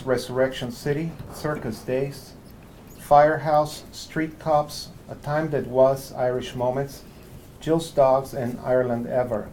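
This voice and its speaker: Male host, mid-pitched, reads a formal intro with faint room noise behind. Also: darkish tone, rough recording. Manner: polished, reads from a prepared text. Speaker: lecture series host.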